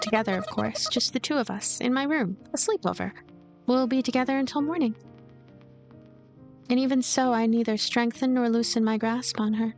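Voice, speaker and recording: Woman as cynical scheming girl narrator, high voice. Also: darkish tone, lightly acted. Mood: coaxing, sly. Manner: detached, coaxing, calculating. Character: lonely, cynical, manipulative girl ghost narrating her schemes. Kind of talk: narration of a visual novel.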